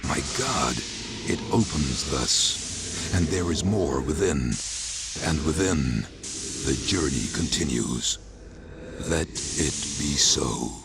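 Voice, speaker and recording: An actor playing a brooding undead voodoo warrior and grim lord of the dead, delivering solemn, poetic game cutscene monologues in a deep, gravelly voice. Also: male voice, animated, takes it slowly, music in the background, exaggerated voice. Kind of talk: theatrical scripted monologue, game cutscene narration.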